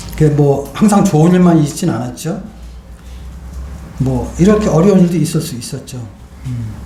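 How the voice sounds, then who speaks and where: A man's speech with long, frequent pauses, noticeable background noise and audible room echo. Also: moderate pace. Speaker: retired preacher. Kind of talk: sermon.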